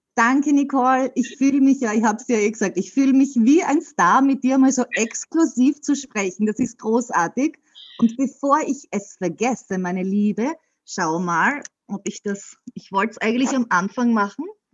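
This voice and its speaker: Her voice sits high, and her intonation is lively. She talks at a moderate pace. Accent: Austrian. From Vienna, Austria. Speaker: former smoker, program participant. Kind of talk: interview, casual chat.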